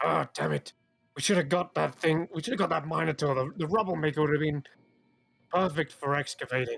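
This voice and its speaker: With music in the background, a put-on character voice that is raspy, gravelly and rumbling moves at a fairly quick pace and middle pitch. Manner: grumbling, frustrated.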